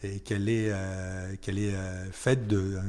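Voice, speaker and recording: Low, mellow Frenchman, halting delivery. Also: little pitch movement. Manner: hesitant, halting, repeats words while searching for phrasing. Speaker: town mayor being interviewed. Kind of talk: unscripted radio interview.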